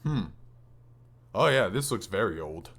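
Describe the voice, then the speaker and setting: A man's voice: on the low side, sing-song, a little slow, creaky, a bit bright. A man hosting a gaming podcast, talking in an informal, rambling way with casual swearing. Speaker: podcast host.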